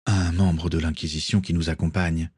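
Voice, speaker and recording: A male narrator voicing a haughty ship captain with a smooth, formal and cold manner. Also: sits low, little pitch movement, moderate pace, darkish tone, dry recording, clean studio sound. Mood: dismissive.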